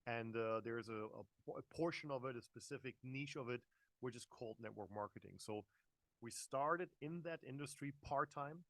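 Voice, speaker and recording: A man's voice: mid-range voice, normal speed, fairly bright tone. A man in his forties with a German accent delivers a live online business presentation, with a mid-range voice. He talks loosely and directly to listeners, full of fillers and restarts. The sound is dry, with no room echo. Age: 40s. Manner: chatty, hesitant, many fillers and restarts, addresses the audience directly. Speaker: network marketing presenter.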